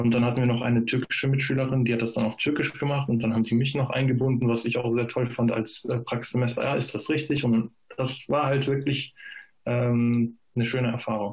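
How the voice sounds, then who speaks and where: Somewhat breathy and medium-pitched, a man talks at a fairly quick pace with monotone, flat intonation and very even loudness. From Germany, Cologne. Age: 20s. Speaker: student teacher. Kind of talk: interview. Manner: hesitant, many filler sounds.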